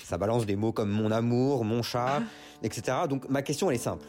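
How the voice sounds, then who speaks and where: A man's listener voice message is played back on a radio show. His voice sits at an ordinary middle pitch, casual and teasing. Faint music runs underneath. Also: a little fast, a little mellow. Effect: recorded listener voice message played on air.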